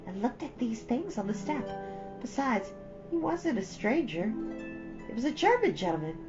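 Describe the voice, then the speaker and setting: A young girl from a storybook, pitched very high. She is earnest, wretched and given to dramatic pleading. The sound is a little muffled, with music clearly playing behind her.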